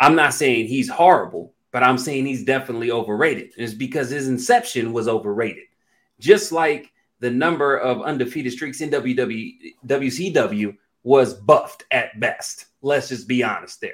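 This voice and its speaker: At a moderate pace, a man speaks in an unremarkable speaking voice with medium pitch. His pitch variation is ordinary, and the recording is very clean with a silent background. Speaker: podcast co-host. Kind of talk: casual wrestling podcast chat. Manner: casual, slangy.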